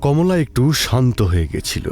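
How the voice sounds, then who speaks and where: A man giving a suspenseful, expressive narration of a scripted horror story. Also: mid-range voice, moderate pace, faint music behind.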